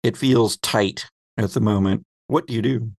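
A man acting as game master, narrating an improvised tabletop game descriptively and pausing to find his words. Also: lowish voice, gravelly, a little mellow, no echo, studio quality.

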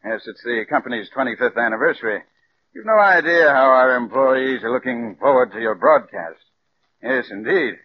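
An actor playing a courteous, deferential company president in 1940s radio style. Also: male voice, medium pitch, expressive, moderate pace, natural voice. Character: polite, fawning male company president. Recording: dull old radio broadcast, faint hiss.

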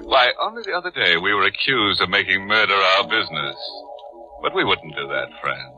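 A man's voice: deep voice, sing-song, normal speed, bright, forceful tone, soft background music, exaggerated voice. A man playing a ghoulish, gleeful vintage horror narrator, tongue-in-cheek, in 1940s radio style. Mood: macabre glee. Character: ghoulish, gleeful punning horror show host. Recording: dull 1940s radio recording.

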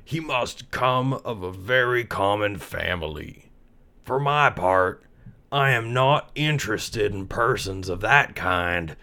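A stuck-up old groundhog in a storybook, drawling slowly and haughtily with a lively rise and fall. A male narrator puts him on. Slightly off-mic. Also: fairly low pitch, exaggerated voice. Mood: haughty. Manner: slow, haughty, pompous.

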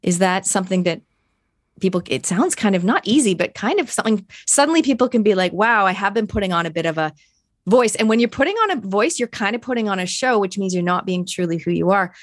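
A woman's voice: mid-range voice, expressive, fast talker, dry recording, clean studio sound. A woman hosting a radio interview, friendly and inviting listeners to send in messages. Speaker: radio show host.

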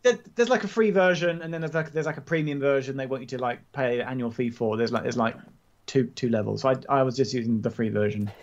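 A man chatting casually on a podcast over a video call, enthusiastic and giggly, with halting restarts. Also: mid-range voice, fairly even intonation, muffled recording. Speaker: podcast co-host. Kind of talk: casual chat.

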